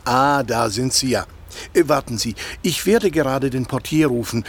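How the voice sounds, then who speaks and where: An actor playing a formal, smoothly polite hotel receptionist. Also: male voice, mid-range voice, moderate pace, a little hiss or hum, natural voice. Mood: courteous. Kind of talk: audio drama acting.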